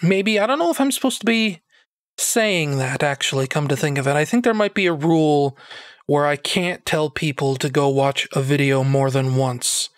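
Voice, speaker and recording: A man chatting through a solo podcast in a slightly higher register than most men, rambling with plenty of ums and likes. His throat sounds phlegmy and a little nasal. The recording is close and dry, with no room sound. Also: no echo. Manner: rambling, filler-heavy, self-deprecating joking. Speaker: podcast host. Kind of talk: casual solo podcast chat.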